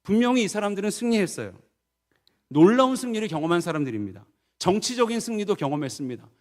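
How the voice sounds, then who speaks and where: A middle-aged man preaching a sermon as pastor, asking the congregation questions and acting out the prayers he quotes in a low, soft voice. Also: very animated, quick pace. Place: church sanctuary. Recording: long church reverb.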